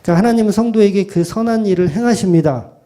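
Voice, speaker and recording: A man's voice: high voice, fast talker. A male pastor giving an expository sermon, asking the congregation questions and acting out imagined voices. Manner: animated preaching, quoting imagined voices with sudden drops to soft asides.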